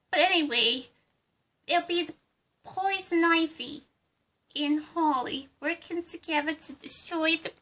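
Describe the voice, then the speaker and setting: A woman's voice: high voice, sharp tone. A woman voicing a giddy, unhinged female villain with a put-on accent in a fan roleplay, bubbly and eager to please.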